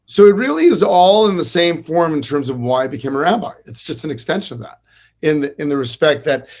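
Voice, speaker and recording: A man's voice: on the high side, lively intonation, brisk, darkish tone. A middle-aged man, a rabbi, talking in a podcast interview, telling stories and teaching with many restarts and fillers. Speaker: rabbi and podcast host, guest.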